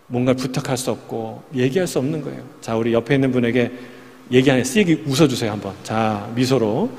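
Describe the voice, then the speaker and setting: Speaking briskly in a medium-pitched voice with a darkish tone, a pastor gives his Sunday sermon in a church sanctuary. He keeps it conversational and puts rhetorical questions to the congregation, with the sound echoing through the church hall.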